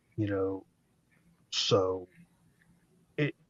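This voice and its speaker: Somewhat breathy, a man speaks with an American accent. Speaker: guest sharing cancer grief experience. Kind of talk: casual chat. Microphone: connectivity issues.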